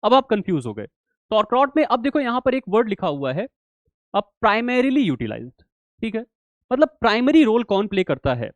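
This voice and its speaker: A young man runs a live online exam-prep class, casually solving quiz questions and checking in with students, whom he calls bhai, while repeating "theek hai" and "clear". His voice sits high and sounds sing-song at a moderate pace. The sound is lo-fi with no room sound.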